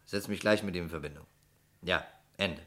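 A worldly homicide detective: very deep, forceful voice, blunt, sardonic, probing. Radio play. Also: male voice, moderate pace. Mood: brisk. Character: sharp, sceptical, worldly city homicide investigator. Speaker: actor in a radio crime play. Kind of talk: German radio crime drama acting.

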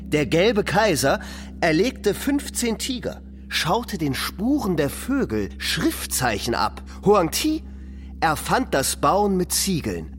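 A man narrating an epic poem for a radio play in a measured, declamatory way. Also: fairly high pitch. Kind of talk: solemn scripted recitation of epic poetry.

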